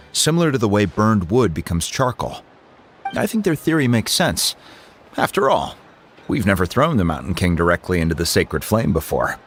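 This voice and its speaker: An actor voicing a calm, earnest male tribal chief who explains things in a measured way. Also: low-pitched. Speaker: tribe chief. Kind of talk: video game voice acting. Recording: game audio with music behind.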